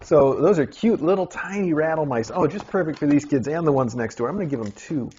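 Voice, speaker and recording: A channel host casually narrates while unpacking mail for a litter of kittens, chatting away and sometimes switching to a high, coaxing voice to coo at them. He sounds animated and brisk with a darkish tone. The lo-fi recording is slightly dull with faint noise.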